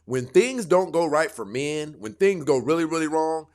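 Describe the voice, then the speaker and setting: A man hosting a dating advice stream, lecturing his viewers in a casual, animated way. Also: a little high, normal speed. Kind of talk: casual live commentary.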